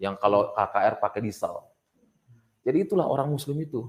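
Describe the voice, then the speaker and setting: This middle-aged man has a low voice and tells his testimony with real animation. He swings from quiet asides to loud, fervent prayer as the story builds, and his pitch moves a lot as he speaks. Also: lively intonation, fast talker. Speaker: evangelist guest. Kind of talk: testimony interview.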